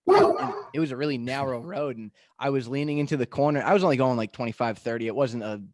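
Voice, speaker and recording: A man from New Hampshire with a New England accent, hosting a podcast in a relaxed, chatty way. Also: medium pitch, fast, dry recording, clean studio sound. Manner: relaxed, lots of "like" and "I mean". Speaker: podcast host. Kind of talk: casual podcast chat.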